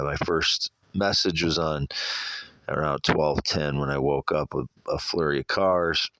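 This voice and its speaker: A middle-aged man with a Midwestern American accent speaks in an extremely low, gravelly voice, congested from allergies. He rambles through a personal monologue, stopping, repeating and correcting himself. The sound is dry and close, with little room on it. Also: fairly bright tone, no room sound. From Iowa, United States. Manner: halting, repetitive, self-correcting.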